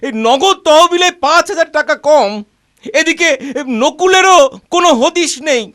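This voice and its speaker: A man's voice: very high voice, moderate pace, pushed and bright, dry recording, studio quality. A man voicing a fretful, deferential estate steward in a comic cartoon. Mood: panicked. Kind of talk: dubbed comic cartoon dialogue.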